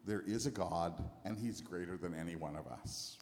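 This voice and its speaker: A man preaching a sermon in a church, speaking in short phrases and pausing for an interpreter. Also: sits low, a little mellow. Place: church hall. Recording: long hall reverb.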